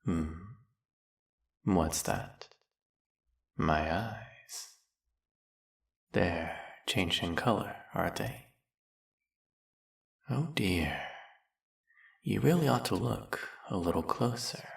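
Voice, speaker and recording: A man voicing a smooth-talking, snake-headed male villain who hypnotizes his captive in an audio roleplay, speaking in a silky, coaxing way. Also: low-pitched, lively intonation, very slow, pauses often, heavily acted. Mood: hypnotic. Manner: silky, coaxing, soft-spoken and purring.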